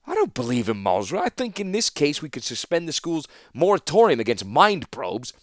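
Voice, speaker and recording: Guy doing a doubtful mage, dry measured talk, close dry sound. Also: a little high, huge pitch swings, dry recording, voice pushed up. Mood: skeptical.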